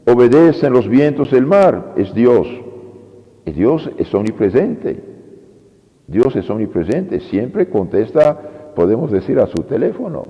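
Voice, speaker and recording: A man preaching a sermon as a priest, with lively delivery that acts out quoted pleas. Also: on the low side, gravelly. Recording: lo-fi recording with long church reverb.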